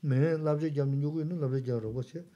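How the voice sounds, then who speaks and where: A man teaching Buddhism in short phrases with frequent hums and hesitations, pausing for his interpreter. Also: a little high, steady tone, dark tone, muffled recording. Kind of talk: Dharma teaching, translated line by line.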